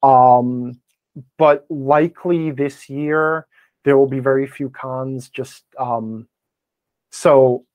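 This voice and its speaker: An American man chatting casually as a podcast guest, rambling and self-deprecating, with an animated, ranting way of talking. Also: medium pitch, slow, dry recording. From Wisconsin, United States. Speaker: podcast guest, blogger and game designer. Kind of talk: casual interview chat.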